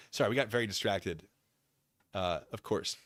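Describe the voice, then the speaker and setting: A man's voice: on the low side, moderate pace, a bit bright, no room sound, clean studio sound. A man hosting a livestream, chatting casually with viewers in a theatrical, emphatic manner. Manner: theatrical, emphatic, exasperated debating. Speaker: livestream host.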